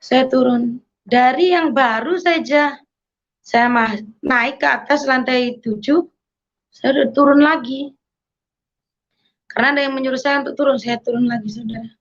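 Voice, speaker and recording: A woman from Madura, Indonesia, tells her faith testimony in an earnest voice that sits a little high. She keeps turning to her listeners as brothers and sisters and drops in bits of English. The audio is muffled and lo-fi. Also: normal speed, pauses often. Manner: mixes in English phrases. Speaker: testimony speaker.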